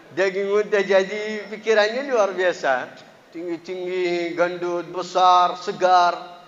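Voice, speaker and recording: A man's voice: sits high, takes it slowly, long reverb tail, muffled recording. Arabic-accented man preaching in a mosque. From Arab country. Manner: earnest, lively, rising emphatic bursts. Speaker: Quran teacher. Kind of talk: mosque sermon. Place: mosque hall.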